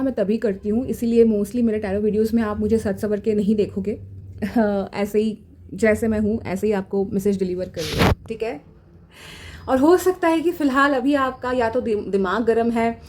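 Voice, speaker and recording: A woman giving a casual tarot reading in a gentle, reassuring way, slipping into English phrases. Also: a little high. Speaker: tarot reader. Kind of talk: casual spiritual guidance. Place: home room.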